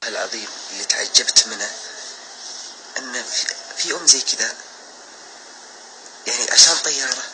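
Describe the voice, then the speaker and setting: A man's voice: mid-range voice, normal speed, pauses often, sharp tone, slight background noise, poor audio. A man tells a personal anecdote to his followers in a casual, emphatic way, swearing oaths constantly. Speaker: social media storyteller.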